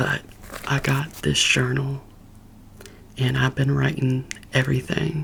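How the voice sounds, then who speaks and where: A woman talks at a fairly slow pace, with long, frequent pauses. Noticeable background noise sits behind her. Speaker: ASMR creator. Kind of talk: ASMR roleplay, casual talk to camera. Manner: soft, chatty, friendly.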